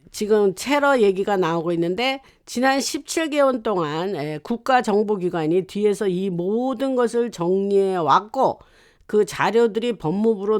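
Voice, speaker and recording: Brief: host from Korea, loose news-commentary monologue, resonant tone, lots of filler pauses. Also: mid-range voice, clear, resonant tone. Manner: rambling, with frequent hesitation fillers.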